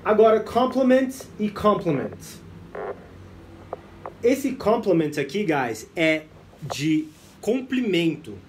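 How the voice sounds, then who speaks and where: A young man from Brazil teaching English on a live stream, lively, mixing English phrases into his explanations. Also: high voice, takes it slowly, long pauses, a little hiss or hum.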